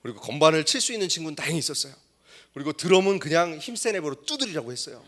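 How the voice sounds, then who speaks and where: A middle-aged male pastor preaching a sermon, telling a story and swinging between hushed asides and loud exclamations. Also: a little high, big pitch swings, racing.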